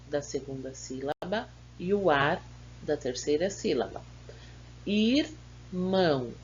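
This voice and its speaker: A woman's voice: lowish voice, creaky, darkish tone, highs cut off, a little hiss or hum. A woman teacher with a Brazilian Portuguese accent, patiently going over schoolbook exercises and sounding out words syllable by syllable.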